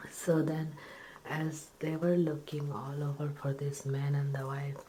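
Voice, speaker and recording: A woman telling a story in a breathy ASMR whisper, retelling it simply with hesitations and repeats. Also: deep voice, mellow, slight background noise, poor audio.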